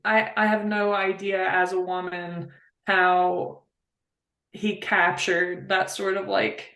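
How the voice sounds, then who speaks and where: A woman's voice: mid-range voice, flat delivery, slow, a bit bright. Heartfelt woman in a roomy space. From Appalachia, West Virginia. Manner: heartfelt, rambling, many fillers. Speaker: guest. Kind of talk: casual interview chat.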